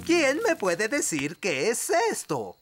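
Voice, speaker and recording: Fussy old cartoon elf, animated pitch. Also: male voice, slow, loud music behind the voice, exaggerated voice. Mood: schoolmasterly. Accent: Latin American Spanish. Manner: pompous, hesitant, schoolmasterly. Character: fussy, stern old male elf teacher. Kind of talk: cartoon dub acting.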